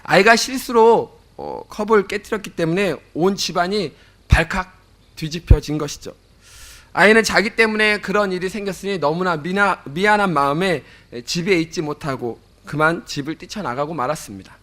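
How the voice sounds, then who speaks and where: A man's voice: high voice, moderate pace, a bit bright. A man preaching a sermon, telling a story to his congregation with frequent "uh" fillers. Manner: storytelling, addresses the congregation directly; fillers and self-corrections.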